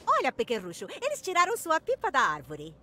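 Bossy, swooping Brazilian cartoon mom. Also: female voice, high-pitched, wildly swooping pitch, a little fast, pushed and bright, slight background noise, exaggerated voice. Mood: coaxing. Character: bossy, scolding cartoon suburban mother. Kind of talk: dubbed cartoon game acting. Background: game music.

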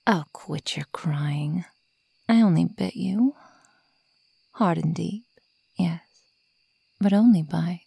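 Woman playing a breathy, sadistic werewolf girl, very slow. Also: lowish voice, warm tone, dry recording, exaggerated voice. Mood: scornful, menacing. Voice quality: breathy, whispery. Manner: slow, taunting, menacing. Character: sadistic young female werewolf toying with her prey. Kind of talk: ASMR roleplay. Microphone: close microphone, dry.

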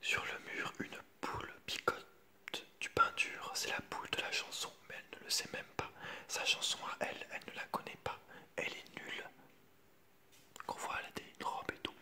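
A man reads a children's picture book aloud in a hushed, unvoiced library whisper, ASMR style, adding informal asides to viewers. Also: moderate pace.

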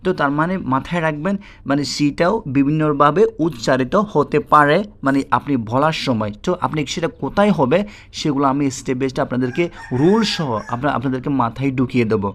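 A man's voice: a little high, a little fast, slight background noise. A man with a Bangladeshi Bengali accent teaching a spoken English lesson. He repeats himself, talks straight to his viewers and keeps checking that they follow. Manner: repetitive, checks in with "ঠিক আছে?"; addresses viewers directly.

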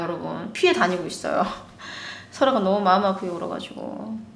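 A woman in her thirties from North Korea, a mother chatting emotionally with her viewers on a livestream. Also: medium pitch. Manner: chatty and emotional, often laughs, addresses viewers. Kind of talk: casual livestream chat. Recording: roomy echo.

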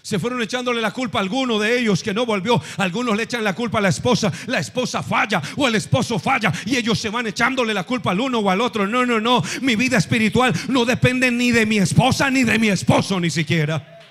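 A male pastor preaching a sermon to his congregation, swinging from hushed asides to shouted passages. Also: extremely high pitch, fast talker. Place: church with congregation.

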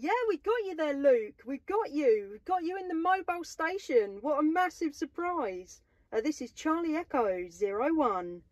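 A woman's voice: high voice, very animated, moderate pace, slight background noise. An enthusiastic woman with a southern English accent, chatting on CB radio from inside a vehicle. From England. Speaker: mobile CB radio operator. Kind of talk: casual radio contact chat. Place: inside a parked or moving vehicle.

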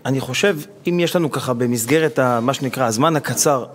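A man's voice: medium pitch, slight background noise. A rabbi on a TV talk show explaining marriage advice and acting out quoted husbands and wives as he tells stories. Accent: Israeli Hebrew. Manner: animated storytelling, acting out quoted spouses. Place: television studio.

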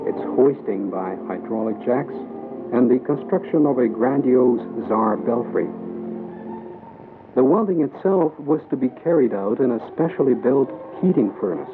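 Man, documentary narrator, mid-pitched and measured, tinny lo-fi recording over a music bed. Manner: measured, even reading of a history script. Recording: tinny lo-fi audio with music underneath.

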